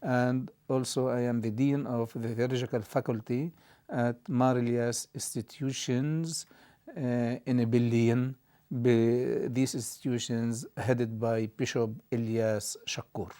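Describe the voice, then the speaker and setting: A middle-aged man whose first language is Arabic, answering interview questions in English with many halting pauses. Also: mid-range voice, fairly even intonation, mellow. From Israel. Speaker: interview guest, theology dean.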